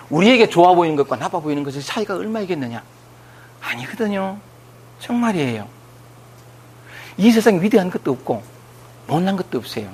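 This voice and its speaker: A man with a Gyeongsang accent giving an animated spiritual lecture, speaking straight to his listeners. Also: on the high side, slightly rough. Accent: Gyeongsang Korean. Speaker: lecturer on scriptures.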